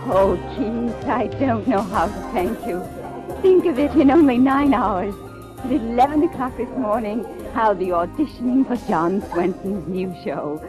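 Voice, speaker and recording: Actress as a melodramatic fading stage star. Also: female voice, a little high, unhurried, music in the background, natural voice, rough recording. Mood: gushing, hopeful. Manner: melodramatic, pleading. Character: fading actress, gushing, needy and proud. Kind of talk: old-time radio drama acting.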